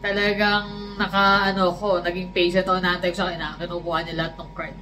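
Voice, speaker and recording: A woman's voice: fairly low pitch, level tone, fast talker, pushed and bright, slight background noise, rough recording. A woman from the Philippines, a vlogger, chatting casually and telling a story with animation, switching into English for quoted lines. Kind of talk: casual chat.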